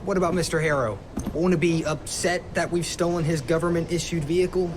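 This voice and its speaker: An actor voicing an earnest, timid, pedantic young airship engineer in a video game cutscene. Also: male voice, fairly high pitch, steady tone, fairly quick, noisy background, lightly acted. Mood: nervous, fussy.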